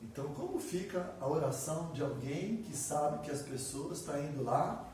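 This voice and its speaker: A Brazilian man gives a conversational sermon and breaks into acted prayers. His voice sits a little high. He is recorded from across a very echoey church hall with faint noise underneath. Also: sing-song, normal speed, a little mellow, far from the mic. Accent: Brazilian Portuguese. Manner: conversational, acts out prayers and asks the audience questions. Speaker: preacher.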